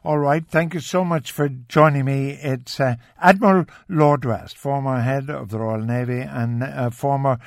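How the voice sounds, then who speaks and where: A man from Cork with an Irish accent, hosting a radio phone-in and reading out listener messages with brisk retorts. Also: mid-range voice, fairly even intonation, dry recording, studio quality. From Cork, Ireland. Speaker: radio talk show host. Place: radio studio. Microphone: studio microphone.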